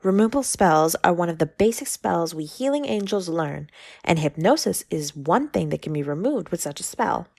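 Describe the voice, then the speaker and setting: A woman's voice: on the low side, animated, moderate pace, creaky, a little mellow, no echo. A woman playing an exasperated, no-nonsense healing angel in an audio drama, assured and a little sardonic. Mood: assured, wry. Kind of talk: dramatic audio roleplay acting.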